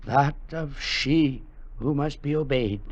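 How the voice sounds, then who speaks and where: An actor playing a kindly, grave old tribal elder, speaking formally and solemnly in 1940s radio style. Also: male voice, medium pitch. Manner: formal, measured, solemn speech. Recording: muffled vintage 1940s radio recording.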